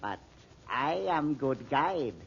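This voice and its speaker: Stubborn Arab guide, lively broken English. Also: male voice, medium pitch, slow pace, husky, heavily acted. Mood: firm, deferential. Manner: broken English, simple emphatic phrases. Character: stubborn Arab camel-train guide, polite but unyielding. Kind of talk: 1930s-40s radio acting. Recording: muffled, noisy old radio recording.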